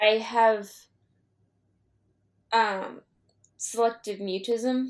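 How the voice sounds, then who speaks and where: Very slow, monotone speech from a woman with an American accent, pitched fairly high with flat intonation. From Florida. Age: 20s. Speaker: interviewee living with schizophrenia. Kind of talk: interview testimony. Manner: halting, repeated words.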